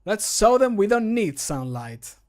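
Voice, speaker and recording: A man voicing an excitable young male adventurer's short battle lines for a fantasy video game, emphatic and close to the microphone. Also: high-pitched, unhurried, pitched above the performer's own voice. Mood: eager, alert. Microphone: close desk microphone.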